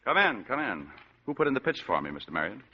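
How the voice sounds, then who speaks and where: An actor playing a wisecracking, weary private detective who narrates, in 1940s radio style. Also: male voice, mid-range voice, very animated, fast, breathy edge. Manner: dry, sardonic wisecracks. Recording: dull old radio recording.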